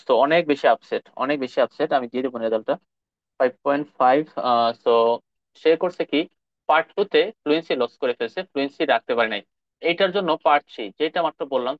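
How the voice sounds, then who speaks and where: A Bangladeshi man talks fast through an online speaking lesson, easygoing and explanatory. His voice sits close and dry. The sound is a bit dull and muffled. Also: mid-range voice, no echo. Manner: conversational, explaining with filler sounds and English terms. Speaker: IELTS speaking tutor. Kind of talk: online teaching session.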